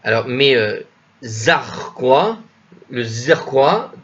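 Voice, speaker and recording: A man teaching a commented reading of an old religious text, thinking aloud with many hesitations and self-corrections, slowly sounding out foreign words. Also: medium pitch, expressive, a bit bright, dull audio. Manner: spells out Hebrew and Old French words slowly. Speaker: Talmud study teacher.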